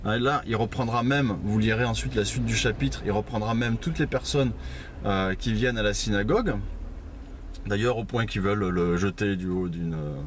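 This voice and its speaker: A man's voice: lowish voice, normal speed, slight background noise. Casual man teaching scripture, full of fillers. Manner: conversational, many fillers and asides. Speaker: preacher. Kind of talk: informal Bible teaching. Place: house church.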